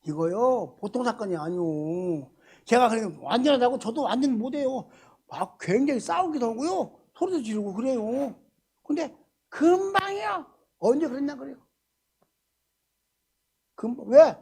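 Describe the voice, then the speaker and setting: An older man preaching a sermon in a church at a Friday service. He talks emphatically, shifting from loud exclamations to hushed asides and firing rhetorical questions at the congregation. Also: very high-pitched, lively intonation, measured pace, pauses often, slightly rough. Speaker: senior pastor.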